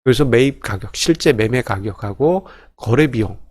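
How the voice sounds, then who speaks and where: Guy teaching money basics, medium pitch, talks it through politely and fixes his own slips, really dry sound. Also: animated, moderate pace, dry recording. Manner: conversational, polite explaining with frequent self-corrections. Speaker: personal finance instructor and presenter. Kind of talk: informal spreadsheet tutorial, explaining step by step.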